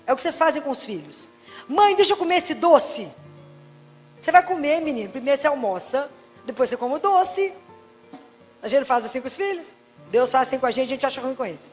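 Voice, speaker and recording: A woman's voice: sits high, fast, long pauses. A woman gives an emphatic faith talk full of stories, acting out the dialogues. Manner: lively, emphatic, acts out dialogues. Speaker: Christian speaker and pediatrician. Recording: reverberant hall with faint music.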